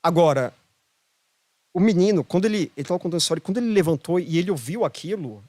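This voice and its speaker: A man with a Brazilian Portuguese accent tells a story as a guest in a casual podcast chat. His voice sits fairly high, and he leans on emphatic repetition to drive his points home. The sound is dry and close, with no room around it. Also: lively intonation, quick pace, darkish tone, no room sound. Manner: emphatic, repeats phrases for emphasis. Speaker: podcast guest, holistic therapist.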